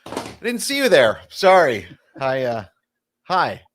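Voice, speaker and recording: A man's voice: medium pitch, huge pitch swings, slow, fairly bright tone, a little hiss or hum. Male co-host with a dry, teasing delivery, loose and conversational. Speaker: comedy show co-host. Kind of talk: casual comedic banter.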